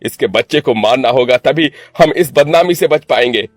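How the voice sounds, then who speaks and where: A man's voice: medium pitch, moderate pace, dry recording, faint music behind, voice pushed up, lightly acted. A man voicing a harsh, proud young man in a cartoon, stern and menacing. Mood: furious.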